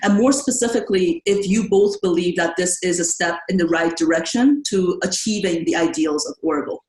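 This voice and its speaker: A young woman hosts a relaxed podcast chat with old friends. She reads her introductions a little formally but keeps them friendly. Her voice sounds roomy, with noticeable echo from the space around her. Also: fairly low pitch, a little fast. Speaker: podcast host.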